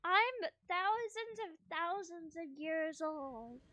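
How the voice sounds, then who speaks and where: A woman's voice: extremely high pitch, lively intonation, slow pace, bright, forceful tone, no room sound. A woman streaming a game and chatting playfully with her viewers, joking around as she plays. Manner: playful, joking, talking to chat. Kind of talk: casual gaming stream chat. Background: faint background music.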